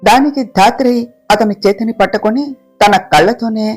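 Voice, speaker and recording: Gentle steady storyteller over soft guitar. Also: mid-range voice, normal speed. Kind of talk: scripted narration of a romance story.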